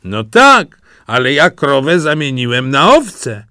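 A man's voice: mid-range voice, very animated, slow, pushed and bright, no echo, studio quality, pitched above the performer's own voice, exaggerated voice. A man voicing a simple, good-natured old farmer who speaks earnestly, in a storybook reading.

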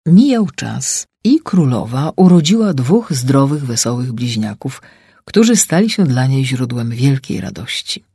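A man narrating a fairy tale in an expressive, rising and falling way, with a husky voice. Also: medium pitch, a little slow, dry recording, studio quality. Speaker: storyteller.

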